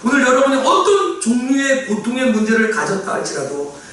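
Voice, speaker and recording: High, lively man preaching in an echoey church. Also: a little fast. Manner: emphatic, repeats key phrases, sometimes shouting. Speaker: pastor. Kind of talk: sermon. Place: church sanctuary. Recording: echoey church hall from far off, faint ambience.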